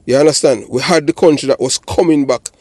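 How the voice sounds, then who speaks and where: A man's voice: medium pitch, a little fast, warm tone, dry recording. An older man with a Jamaican accent giving blunt, emphatic political commentary as a channel host, often checking that listeners follow. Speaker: channel host and commentator, former police officer.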